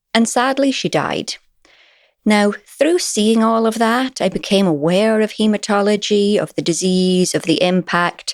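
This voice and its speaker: On a very clean recording with a silent background, a woman with a Northern Irish accent speaks fairly slowly at a medium pitch with ordinary pitch variation. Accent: lilting Northern Irish. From Northern Ireland, County Armagh. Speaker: hematologist, clinician scientist. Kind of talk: podcast interview.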